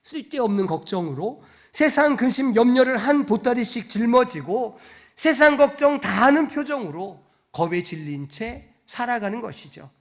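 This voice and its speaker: A male pastor delivers a Sunday sermon in a church with emphatic, dramatic swings between loud and soft. His voice is notably high for a man. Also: animated, moderate pace. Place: church sanctuary.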